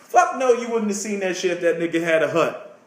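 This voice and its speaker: A man ranting his opinions with heat and plenty of profanity, lively and animated throughout. His voice sits fairly high for a man. A roomy echo hangs on every word. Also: brisk. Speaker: vlogger. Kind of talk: opinion commentary rant.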